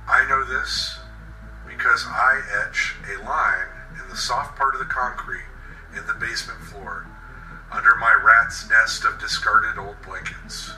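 A man's voice: on the low side, fairly even intonation, unhurried, pushed and bright, distant mic. A man reading a horror monologue as a bitter, vengeful captive, brooding and sardonic as he confesses. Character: bitter, vengeful male captive with anger issues. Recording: roomy echo, set back from mic. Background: music.

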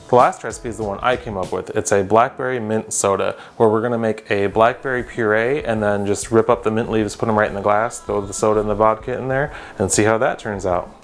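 A young man with a lowish voice walks viewers through a recipe in his home kitchen. He speaks straight to the camera and slips in dry, deadpan jokes between the steps. Soft music plays faintly behind him. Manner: deadpan joking asides to the viewer. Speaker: cooking show host. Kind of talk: scripted cooking demonstration.

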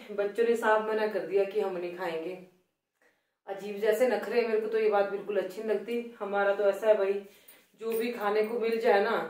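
A middle-aged woman with a Himachali Hindi accent, chatting loudly and complaining a little as she cooks in her home kitchen for her vlog. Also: mid-range voice. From Himachal Pradesh, India. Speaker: cooking vlogger. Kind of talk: casual cooking vlog chat. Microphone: phone placed away from her. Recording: roomy phone audio from a distance.

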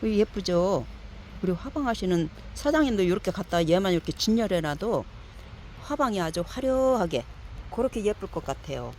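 Woman seller, animated pitch, chatty coaxing showcase tone, casual and repetitive. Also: normal speed, a little hiss or hum. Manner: chatty, coaxing, repeats "like this" while measuring pots. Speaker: succulent pot seller.

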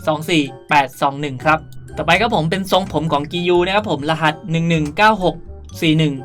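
Fast-talking, chatty man hosting a tutorial. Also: fairly high pitch, a bit bright. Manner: chatty, polite, addresses viewers often. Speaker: video creator and host. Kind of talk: casual game outfit tutorial for viewers. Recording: music behind the voice. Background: music.

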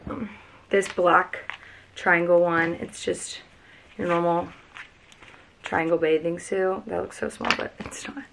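A young woman with a drawl chats and gushes through a casual vlog, her voice sitting slightly low. She is recorded in a cluttered bedroom by a camera a few feet away. A faint background hiss runs under her talk. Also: steady tone, slow, vocal fry, pauses often, a bit bright. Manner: chatty, gushing, lots of "like" and "freaking". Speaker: vlogger.

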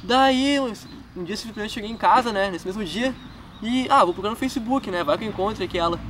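A man's voice: high-pitched, a little fast, a bit bright. A young man with a southern Brazilian gaúcho accent, chatting casually as he answers fan questions in a park vlog, full of filler tags and self-deprecating laughs. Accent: southern Brazilian gaúcho Portuguese. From Rio Grande do Sul, Brazil. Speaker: gaming YouTuber. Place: outdoors in a wooded park. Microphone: camera mic from a few feet away. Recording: distant camera mic with outdoor noise.

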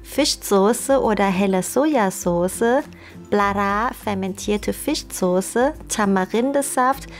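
A woman's voice: medium pitch, takes it slowly. A young woman narrating a recipe in a chatty, playful and enthusiastic way. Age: young adult. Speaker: cooking vlog host. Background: music behind the voice.

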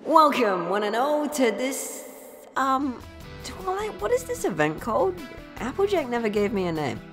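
An earnest little cartoon dragon boy acted by a woman with a showy announcer's patter. The pitch jumps around eagerly, and light music plays underneath. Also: big pitch swings, moderate pace. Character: young male baby dragon, earnest, chirpy event announcer. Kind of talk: cartoon parody dub. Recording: music behind.

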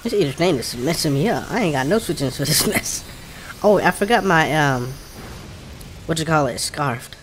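A man's voice: a little high, lively intonation, normal speed, slight background noise. A man with an African American English accent gives casual commentary while playing a video game, informally thinking aloud and muttering to himself. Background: game music.

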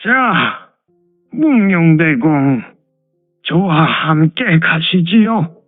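A man's voice: a little high, animated, drawn-out words, dry recording. A man playing a dignified, white-haired senior elder of a demonic cult in a Korean martial-arts audio drama, speaking with old-fashioned authority. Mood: authoritative. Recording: phone-like thin sound, music behind.

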